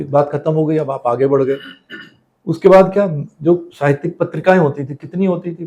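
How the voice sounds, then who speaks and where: At a moderate pace, a man speaks in a fairly high-pitched voice with a dark, mellow tone and fairly even intonation. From India. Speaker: poet and broadcaster. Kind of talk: podcast interview answer.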